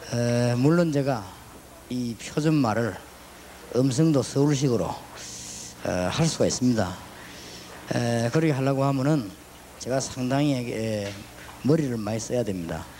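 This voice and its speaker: Over noticeable background noise and audible room echo, a man speaks at a fairly slow pace with long, frequent pauses. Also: medium pitch for a man, ordinary pitch variation. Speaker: pastor. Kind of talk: sermon. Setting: church.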